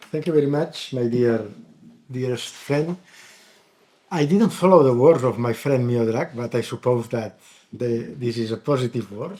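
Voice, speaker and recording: Speaking with a Catalan Spanish accent, a man uses a medium pitch and a dark, mellow tone with ordinary pitch variation. His pace is fairly slow, with long, frequent pauses. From Catalonia, Spain. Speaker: professor of international relations. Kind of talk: lecture. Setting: lecture hall with audience. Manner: halting.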